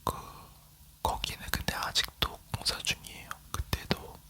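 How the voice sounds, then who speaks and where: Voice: unhurried, pushed and bright. An ASMR creator from South Korea leaning in to whisper, chatting casually as they tell a travel story.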